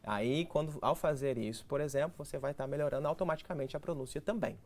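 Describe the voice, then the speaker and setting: A man's voice: a little high, quick pace, darkish tone. A Brazilian man with a Brazilian Portuguese accent, an English teacher giving didactic, step-by-step advice as a guest in a TV studio interview. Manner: didactic, explains step by step with practical tips.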